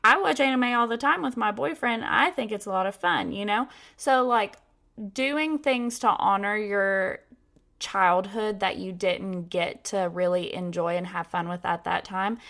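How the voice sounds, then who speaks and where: A woman's voice: mid-range voice, unhurried, vocal fry, fairly bright tone. Chatty young woman podcast host. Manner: chatty, lots of "like" fillers. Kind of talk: casual conversational podcast.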